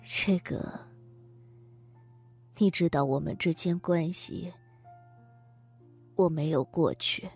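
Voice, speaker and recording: A woman playing a composed, gentle middle-aged wife in an audiobook drama. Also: sits low, slow, pauses often, breathy edge, soft background music, full character voice. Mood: calm, compliant.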